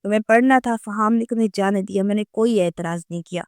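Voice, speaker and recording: A woman's voice: medium pitch, a little mellow, no echo, studio quality, close to an everyday voice. A woman voicing a stern old grandfather. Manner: commanding, threatening. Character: stern elderly male grandfather, village patriarch.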